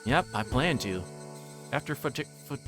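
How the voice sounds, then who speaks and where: A man's voice: medium pitch, animated, normal speed, lightly acted. A man voicing a genial, joking adult male photographer in a visual novel, over music. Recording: music playing behind the voice.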